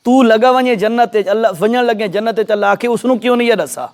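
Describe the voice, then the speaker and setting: A man's voice: sits high, pitched above the performer's own voice. A sly devil coaxes and tempts in a persuasive way, as a preacher acts him out. He speaks. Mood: coaxing. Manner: coaxing, persuasive.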